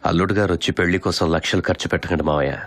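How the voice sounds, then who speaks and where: An actor playing a grave, proud father of the bride in a Telugu film, speaking in a measured, solemn way. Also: sits low, fairly even intonation. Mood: moved, proud. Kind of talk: Telugu film drama dialogue.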